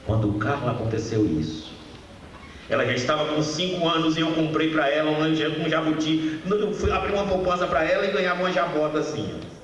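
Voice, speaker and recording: Passionate Bahian preacher in a hall. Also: male voice, a little high, animated, a little fast. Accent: Bahian Portuguese. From Bahia, Brazil. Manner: storytelling, voice rises into passionate appeals. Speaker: guest preacher. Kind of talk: emotional sermon. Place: large cultural center hall. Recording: echoey hall, distant mic, faint hiss.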